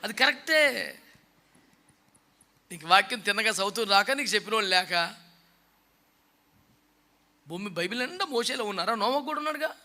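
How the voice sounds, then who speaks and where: A man's voice: high-pitched, lively intonation, normal speed, long pauses, sharp tone. A male pastor preaching a sermon, scolding and mocking his listeners with rhetorical questions and mimicking the people he quotes.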